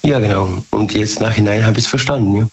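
Hoarse man on a muffled phone line. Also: lowish voice. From Germany. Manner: halting, ungrammatical German, repeats "ja". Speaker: caller.

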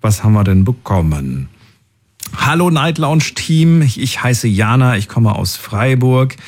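A man's voice: mid-range voice, very animated, a little slow, darkish tone. A man hosting a late-night call-in radio show from the studio, reading out listener poll results and messages. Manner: reads out listener polls and messages.

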